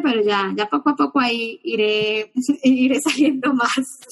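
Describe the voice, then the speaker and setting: Her voice high, a woman speaks with ordinary pitch variation. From Colombia, Bucaramanga (Santander). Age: 40s. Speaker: holistic therapist. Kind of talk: interview.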